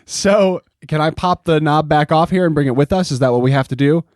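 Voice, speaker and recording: A man's voice: fairly high pitch, brisk, a little mellow, dry recording, clean studio sound, close to an everyday voice. A man voicing a chummy, wry adventurer in a casual, conversational way during a tabletop game. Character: chummy, wry male adventurer reuniting with a friend. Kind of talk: in-character tabletop role-play.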